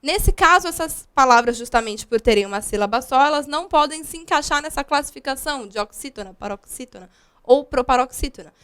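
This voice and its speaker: A woman's voice: high voice, lively intonation, fairly quick, fairly bright tone. A young woman from Brazil teaching a grammar video lesson, explaining patiently with frequent fillers.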